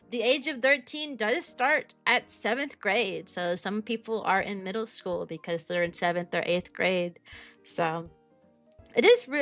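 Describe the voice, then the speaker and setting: A woman in her mid-twenties with a high, youthful-sounding voice, chatting casually with her stream viewers and rambling with lots of ums, likes and restarts. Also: a bit bright. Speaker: VTuber streamer and kindergarten teacher.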